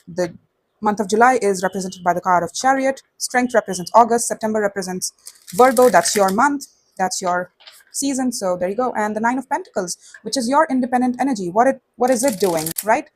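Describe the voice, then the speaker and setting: A woman's voice: mid-range voice, brisk, poor audio. A woman with a lisp and slushy s sounds, giving a casual, conversational tarot reading to viewers and often checking in with short tag questions. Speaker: tarot reader.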